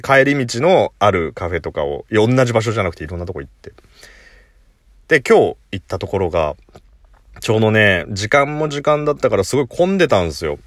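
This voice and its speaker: A man's voice: lowish voice, dry recording, studio quality. A man casually telling a funny story on his solo talk show, laughing at his own jokes. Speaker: podcast host. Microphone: phone app recording.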